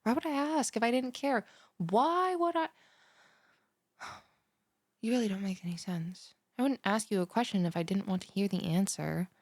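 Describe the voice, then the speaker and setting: A woman's voice: mid-range voice, animated, moderate pace, long pauses, no room sound, clean studio sound. A young woman playing a scatterbrained, chatty, bubbly student in a one-sided audio roleplay, rambling like a valley girl straight at the listener. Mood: curious, insistent. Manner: rambling valley-girl chatter full of "like", sighs and breathy asides. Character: chatty, scatterbrained, over-caffeinated bimbo female college student, bubbly and blunt.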